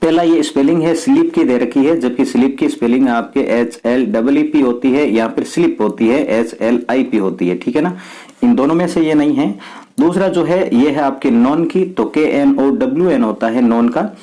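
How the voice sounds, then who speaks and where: A man's voice: medium pitch, moderate pace, warm tone, poor audio. A man teaching students through an exam paper step by step, asking questions and answering them himself. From Rajasthan, India. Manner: explains step by step, asks and answers his own questions. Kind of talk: exam paper walkthrough lesson.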